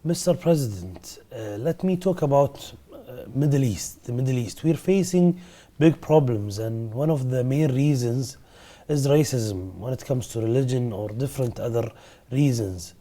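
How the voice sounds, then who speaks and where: A male interviewer with a very dark, mellow voice. He asks his questions slowly and somewhat hesitantly, pausing on fillers. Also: mid-range voice, animated.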